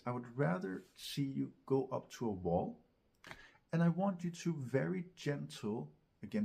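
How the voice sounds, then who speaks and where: A man with a husky, gravelly voice giving an informal step-by-step vocal technique lesson as a coach, often checking in with the listener. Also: medium pitch, a little mellow. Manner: informal step-by-step explaining with frequent check-in tags.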